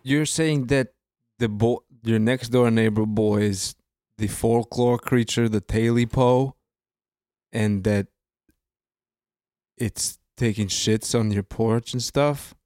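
A man co-hosting a comedy podcast, reacting with quick, incredulous jokes. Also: medium pitch, steady tone, darkish tone, smooth, no room sound, clean studio sound. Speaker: podcast co-host. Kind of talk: comedic banter.

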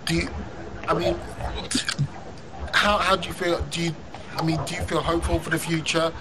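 Male host, higher voice, rambling; noisy recording. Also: level tone, normal speed. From London. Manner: rambling, many restarts and "you know"s. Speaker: podcast host. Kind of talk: casual interview. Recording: loud background noise.

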